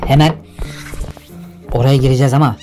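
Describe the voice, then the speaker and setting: A young man giving energetic, exclamatory gameplay commentary for a video. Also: medium pitch, a little fast, faint music behind. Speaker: gaming YouTuber. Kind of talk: excited game commentary.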